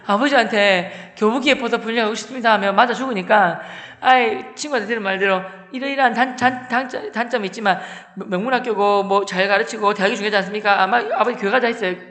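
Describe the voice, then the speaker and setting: A man gives a humorous testimony as a church deacon. He acts out every exchange in lively storytelling, jumping into loud outbursts, and his voice sits unusually high. A church hall around him adds a long, roomy reverb. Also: brisk.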